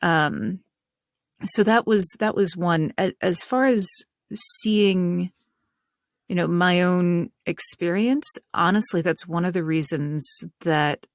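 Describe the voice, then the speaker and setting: A woman's voice: lowish voice, takes it slowly, no room sound, studio quality. A woman from North Carolina with a Southern US accent, a guest author in a casual interview, talking reflectively in long winding sentences.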